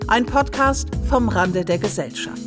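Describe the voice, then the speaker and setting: Slow female announcer over loud music. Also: mid-range voice, animated. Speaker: show announcer. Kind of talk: scripted show opener.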